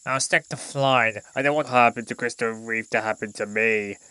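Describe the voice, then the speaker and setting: A man's voice: mid-range voice, normal speed, sharp tone, smooth, no room sound, lightly acted. A man playing a level-headed, encouraging flying hero with a matter-of-fact manner in an amateur audio drama.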